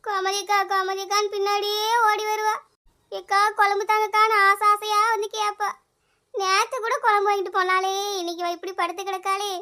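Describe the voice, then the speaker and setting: A woman's voice: extremely high pitch, fairly quick, fairly bright tone. A woman playing a motherly village neighbour. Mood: grieving. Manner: soothing, motherly, calls others by pet names. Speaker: neighbour Gomathi. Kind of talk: village family drama acting.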